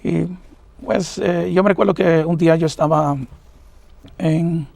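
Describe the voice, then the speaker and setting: A man raised in New York by Puerto Rican parents, a Catholic preacher giving his personal testimony as an interview guest, earnest and halting with many fillers. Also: fairly high pitch, fairly even intonation, creaky, darkish tone, dry recording.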